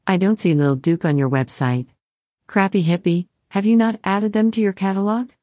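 A woman's voice: medium pitch, normal speed, mellow, dry recording. A woman co-hosting a scripted chat in a dry, matter-of-fact way. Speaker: podcast co-host.

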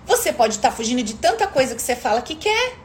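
Animated high-voiced woman coach. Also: quick pace, slight background noise. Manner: emphatic, questions the audience directly. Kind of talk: motivational live stream talk.

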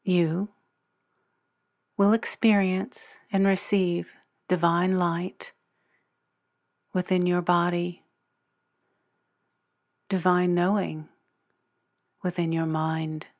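A woman narrating a guided meditation as its guide, speaking in measured, deliberate phrases with long pauses. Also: fairly low pitch, flat delivery.

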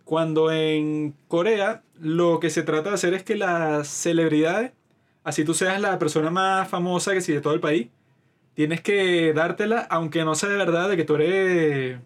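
A man with a Venezuelan accent chatting casually as a podcast co-host, talkative, slangy and opinionated. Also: on the high side. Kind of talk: casual chat.

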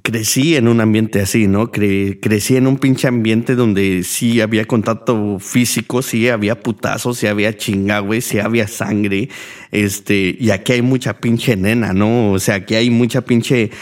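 A man's voice: lowish voice, fairly even intonation, normal speed. A man with a Mexican Spanish accent, hosting a podcast as a casual monologue. He rambles and swears a lot, with many fillers. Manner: profane, rambling, heavy use of fillers. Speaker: podcast host.

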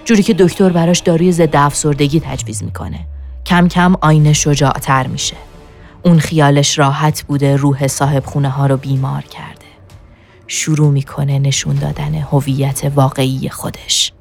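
Woman, very low voice, scripted horror narration, dramatic and suspenseful, faint music underneath. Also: flat delivery, creaky. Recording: soft music bed behind the voice.

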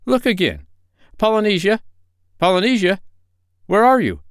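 A man voicing a kindly, excitable male doctor from a storybook, exclaiming as he talks. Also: fairly high pitch, moderate pace, clear, resonant tone, dry recording, clean studio sound, pitched above the performer's own voice, natural voice. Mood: anxious, calling.

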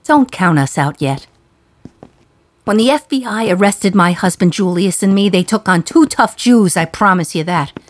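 A woman's voice: on the low side, lively intonation, moderate pace. An actress playing a jailed Jewish housewife and mother, defiant, wry and anguished, in a radio play monologue. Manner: wry, emphatic, confiding storytelling.

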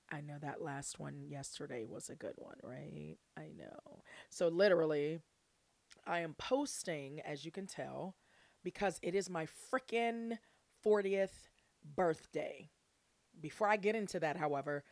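A woman's voice: on the low side, no echo. A forty-year-old woman hosting a casual solo podcast, chatting in an exuberant, playful, chummy way straight to her listeners. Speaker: podcast host.

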